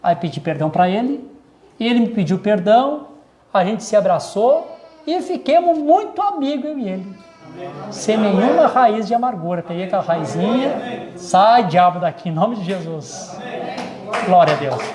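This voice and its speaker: High-voiced pastor telling a testimony. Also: male voice, lively intonation, moderate pace, a crowd in the background. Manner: storytelling, many repetitions and restarts. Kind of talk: sermon testimony.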